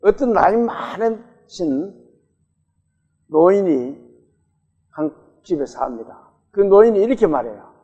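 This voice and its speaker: A man's voice: high voice, expressive, slow, pauses often, mellow, husky. A male pastor preaching a sermon in a church, talking with the congregation and putting questions to them. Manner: conversational, asks the congregation questions. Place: church sanctuary. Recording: dull, reverberant church recording.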